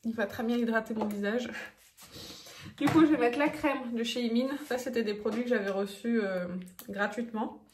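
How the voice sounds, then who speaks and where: A woman with a slightly high voice chats casually as a beauty vlogger, filling her talk with little fillers and laughs. Her voice rings in an echoey room at home, with faint background noise. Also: normal speed, a little mellow. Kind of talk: casual vlog chat.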